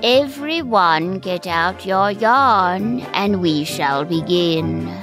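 A put-on character voice, female-sounding and middle-pitched, at a very slow pace over clear background music. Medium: read story. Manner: pompous, droning, dramatic.

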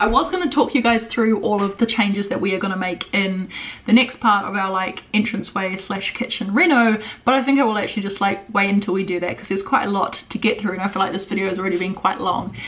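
A woman speaks fast with few pauses, her medium-pitched voice fairly bright in tone and fairly even in intonation, over faint background noise.

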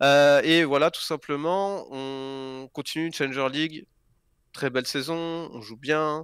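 A man speaks at a very slow pace and fairly high pitch, with fairly even intonation and big swings in loudness. The recording is very clean, the background silent. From Switzerland. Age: 20s. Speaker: esports player. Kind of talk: interview. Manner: halting.

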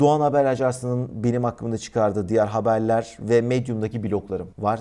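The man's pitch is medium and his tone dark and mellow. He speaks at a moderate pace. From Turkey, Erzurum. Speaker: e-commerce entrepreneur and online course seller. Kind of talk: casual YouTube vlog commentary.

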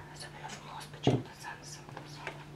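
Whispering, a woman speaks. Her pace is moderate. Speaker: ASMR artist; mother, artist. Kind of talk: ASMR whispered chat while crafting. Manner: whispered.

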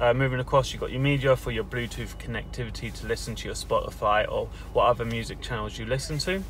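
A man talks at a fairly quick pace with faint music in the background. The sound is dry with no echo. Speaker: car salesperson. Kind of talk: product walkaround commentary. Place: car.

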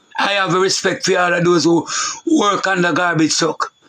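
A man speaks in a raised, projected voice at a high pitch and a fairly slow pace. Noticeable background noise sits behind him. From Jamaica. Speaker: street preacher and talk show personality. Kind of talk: preaching talk show monologue. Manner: animated.

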